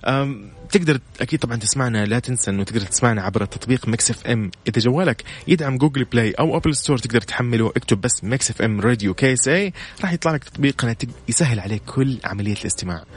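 A man's voice: mid-range voice, very fast, breathy edge. A man hosting a morning call-in radio show with a Saudi Hejazi accent, chatty and effusive, repeating his words of praise into a studio microphone. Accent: Saudi Hejazi Arabic. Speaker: radio host.

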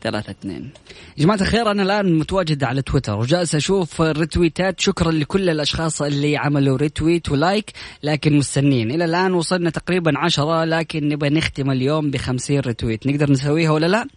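Fast-talking high-voiced radio host. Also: male voice, dry recording. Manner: teasing, laughs often, quick. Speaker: radio morning show co-host. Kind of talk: playful radio banter.

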